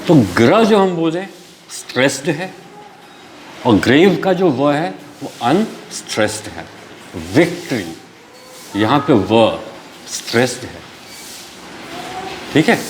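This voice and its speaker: Male teacher, slow and animated, explaining patiently with faint hiss behind. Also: medium pitch, rough recording. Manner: slow explaining, mixing Hindi and English, frequent "ठीक है". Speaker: school English teacher. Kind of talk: online class lecture.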